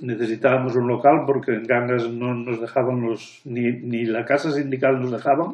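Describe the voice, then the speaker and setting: Monotone, flat intonation marks this man's fairly slow speech. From Asturias, Spain. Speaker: livestock farmer and former deputy mayor; former deputy mayor. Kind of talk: interview. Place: home room.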